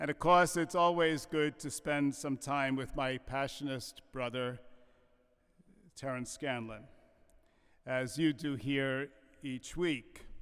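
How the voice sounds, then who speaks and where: Speaking very slowly with long, frequent pauses, a man with a New York accent uses a fairly high pitch and fairly even intonation on a very clean recording with a silent background. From New York, Brooklyn. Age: 60s. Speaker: priest. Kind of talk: sermon.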